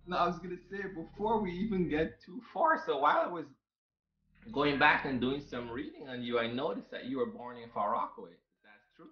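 A man's voice: on the high side, expressive, brisk, muffled recording. A man with a Guyanese accent hosting a podcast interview, chatty and eager as he asks his questions. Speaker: podcast host. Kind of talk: casual interview chat. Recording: echoey room with faint music.

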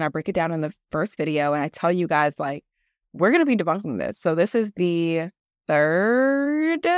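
A woman's voice: low voice, no echo. Chatty nasal woman, dry sound. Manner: chatty, many fillers. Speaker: podcast host and model coach. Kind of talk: casual solo class talk.

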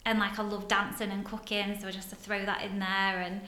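A woman's voice: mid-range voice, completely flat delivery, fairly quick, sharp tone, reverberant. A woman, chatting casually and filling her talk with "like" and "you know". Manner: chatty, uses many fillers like "like". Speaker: guest, therapist for women. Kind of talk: casual podcast conversation.

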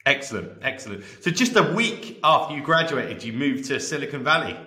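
A man's voice: medium pitch, lively intonation, fairly quick, sharp tone, roomy sound. A man hosting a podcast, introducing the show and asking questions in an upbeat way with many fillers. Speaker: podcast host.

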